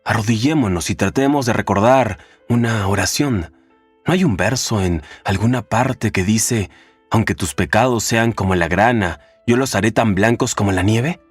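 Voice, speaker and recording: A man's voice: deep voice, normal speed, slightly rough, no room sound, faint music behind. A man voicing an earnest pleading painter.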